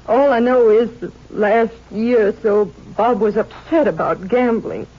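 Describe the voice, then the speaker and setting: An actress playing a grieving, gracious sheriff's widow, gentle, folksy and hesitant, in 1950s radio drama style. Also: female voice, on the high side, measured pace. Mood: sorrowful. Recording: dull vintage 1950s radio recording.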